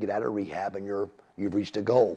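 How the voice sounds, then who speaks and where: Against a quiet backdrop, a man is talking. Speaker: person in addiction recovery. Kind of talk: testimony. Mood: earnest, reflective. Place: studio.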